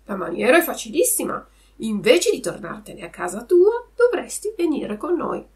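A woman voicing a sly, lame male fox who coaxes smoothly in a storybook reading. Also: a little high, wildly swooping pitch, moderate pace, a little mellow, pitched above the performer's own voice.

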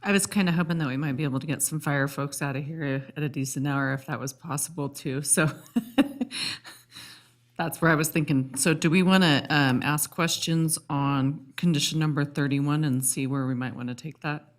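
Low-voiced woman chairing a public meeting. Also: fairly even intonation, moderate pace. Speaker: planning commission meeting chair. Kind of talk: running a public meeting, informal procedural talk.

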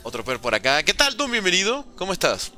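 A Venezuelan man streaming a game live, chatting with viewers and reacting in quick bursts. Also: high-pitched, soft background music. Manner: lively, banters with chat, talks fast in bursts. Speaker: gaming streamer. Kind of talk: live gameplay commentary reading chat.

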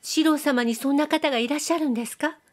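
Brief: coy young girl with a soft nasal lilt, pitched high, as a woman reader puts her on. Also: fast talker, natural voice. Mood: coy, pleading. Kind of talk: audiobook reading.

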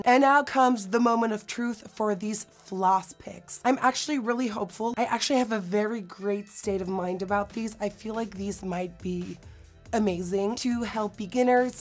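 A young woman with a hoarse, recovering voice and a Dutch accent, chatting dramatically through a makeup tutorial in a studio. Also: medium pitch. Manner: bubbly, dramatic, self-mocking. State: hoarse from illness. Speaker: beauty vlogger. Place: indoor studio set.

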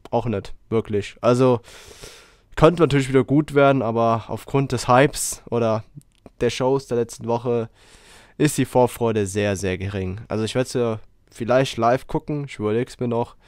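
A man hosting a casual podcast while he has a cold, talking in a rambling, relaxed way with lots of fillers. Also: medium pitch, moderate pace, clean tone, no echo, clean studio sound. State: has a cold, hoarse throat. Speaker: podcast host.

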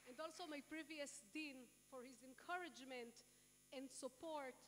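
A woman's voice: high-pitched, bright, forceful tone, a little hiss or hum. A woman in her thirties with an Israeli accent, giving an earnest acceptance speech at a podium microphone with many fillers and restarts. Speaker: award recipient giving thanks. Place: large lecture hall on stage. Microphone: podium microphone on a stand. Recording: long hall reverb.

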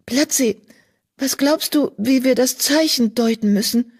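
A woman's voice: fairly high pitch, lively intonation, unhurried, a little mellow, breathy edge, voice pushed up. A woman voicing an eager young female apprentice cat in an audiobook. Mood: eager, worried. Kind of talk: audiobook character voice.

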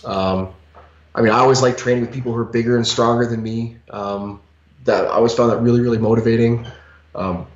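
A man's voice: medium pitch, steady tone, fairly quick. A man in his forties co-hosting a fitness podcast, talking emphatically with lots of "you know" fillers, over a headset on a video call. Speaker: podcast co-host. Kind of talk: casual podcast chat. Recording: echoey, slightly dull call audio.

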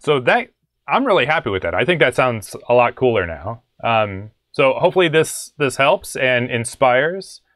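Very animated and fairly bright in tone, this young adult man hosts a music production tutorial by screen share from his small home studio. He speaks at medium pitch and a moderate pace, keeping his explanations casual and conversational.

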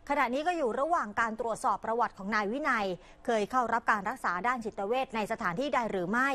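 A woman news reporter narrating a crime story in a brisk, polite news delivery. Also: fairly high pitch, animated, a bit bright.

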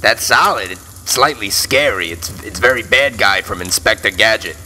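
A man's voice: lowish voice, normal speed, sharp tone, slight background noise. A man making wry comedic asides in a sketch. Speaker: comedy co-host.

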